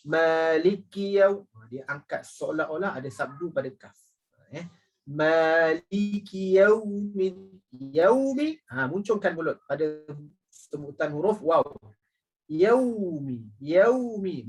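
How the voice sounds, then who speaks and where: Husky-voiced man teaching slow recitation. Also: a little high. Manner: drills phrases slowly, repeating and correcting. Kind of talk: tajwid lesson, correcting recitation. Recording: voice distant from the mic.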